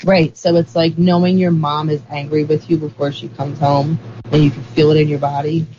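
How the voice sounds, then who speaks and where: In a casual conversational explanation, an interview guest rambles at length through ideas, leaning heavily on "like" and "um" as fillers. The middle-pitched voice has little pitch movement and a moderate pace, heard through a dull, lo-fi recording with faint hiss underneath.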